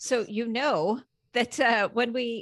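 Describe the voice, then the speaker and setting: An animated woman's voice against a quiet background. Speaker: podcast co-host, mother. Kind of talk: casual chat. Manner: animated, laughs often.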